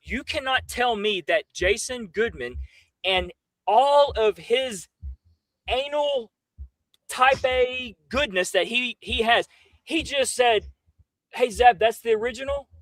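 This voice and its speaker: A man's voice: extremely high pitch, very animated, slow pace, fairly bright tone, no room sound, low-quality recording. A man talking on a casual livestream in an emphatic, incredulous, slangy way, swearing freely as he rants. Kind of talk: animated casual livestream rant.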